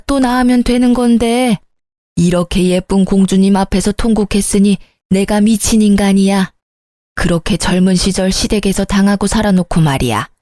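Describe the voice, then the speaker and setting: Woman reading as a fussing old grandmother, cooing, repentant, mellow voice, dry close sound. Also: mid-range voice, no room sound, close to an everyday voice. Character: doting old grandmother, repentant, chattering to a baby.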